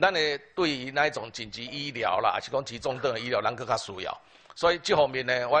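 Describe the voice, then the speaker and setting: The speaker is a man with a fairly quick delivery. There is ordinary movement in his pitch. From Taiwan. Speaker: county health bureau director. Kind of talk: official report and answering questions. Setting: council chamber. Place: hall. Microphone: podium.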